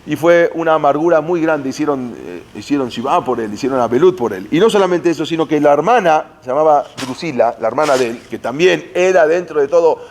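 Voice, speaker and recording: A man's voice: a little high, animated, a little fast, hardly any pauses, a little mellow, slight background noise. A man teaching Jewish history, telling the story dramatically and mixing in Hebrew terms. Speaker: Torah teacher.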